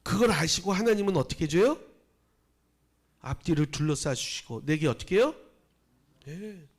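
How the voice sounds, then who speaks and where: Male pastor, Gyeongsang-born with a Jeolla lilt, preaching in a lively, rather high voice; chatty sermon full of questions to the congregation. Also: normal speed. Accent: Gyeongsang Korean with Jeolla dialect habits. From Gyeongsang region of Korea. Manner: conversational preaching with rhetorical questions, shifting between loud and hushed. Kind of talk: Sunday sermon. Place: church.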